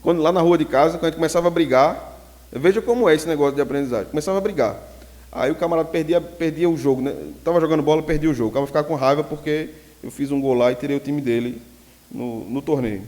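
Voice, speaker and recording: In a church hall with a long reverb, a male pastor gives a teaching sermon full of personal anecdotes. He speaks fast in a voice on the high side, a lively storyteller who jokes with the audience about his own life.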